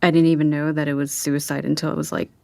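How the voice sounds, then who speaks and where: A woman's voice: low voice, level tone, fast, vocal fry, dark tone, no echo. A woman playing a polite, curious young writer in an audio drama, speaking in a tentative, understated, natural way. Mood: subdued. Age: young adult.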